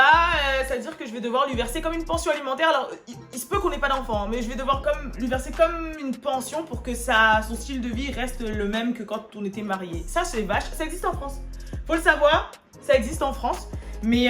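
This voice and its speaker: A young woman hosting a casual gossip vlog, talking in a chatty, animated way with many fillers. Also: on the high side. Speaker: vlogger. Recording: echoey room.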